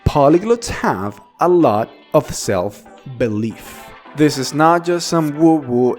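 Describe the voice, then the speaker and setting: A man whose first language is Spanish, giving an earnest, encouraging English lesson straight to the viewer with animated delivery. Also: mid-range voice. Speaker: English teacher. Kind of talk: direct-to-camera English lesson.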